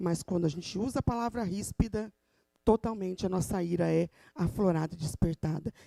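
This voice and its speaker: A woman speaks fairly slowly at a medium pitch, her tone dark and mellow and her intonation lively. The recording is very clean, dry and close, with a silent background and no echo. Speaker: teacher of young children giving a church talk. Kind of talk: church lecture.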